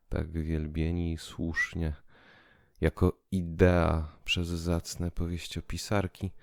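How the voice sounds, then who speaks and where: A man narrating a literary audio drama in a theatrical, expressive way. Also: low voice, no room sound, studio quality. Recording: music bed under the voice. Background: piano and musical accompaniment.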